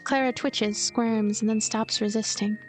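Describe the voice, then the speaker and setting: Casting: woman playing manipulative loner girl, game narrator, detached and coaxing, higher-pitched. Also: fairly even intonation, a little slow, faint music behind, lightly acted. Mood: cold, matter-of-fact. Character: lonely, cynical, manipulative girl ghost narrating her schemes. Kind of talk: narration of a visual novel.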